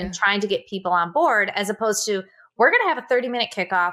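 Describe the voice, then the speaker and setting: A woman with a Wisconsin accent speaks at a medium pitch, her tone bright and sharp and her pitch varying in an ordinary way. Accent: Midwestern, Wisconsin. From Milwaukee, Wisconsin. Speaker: marketing leader. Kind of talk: casual chat.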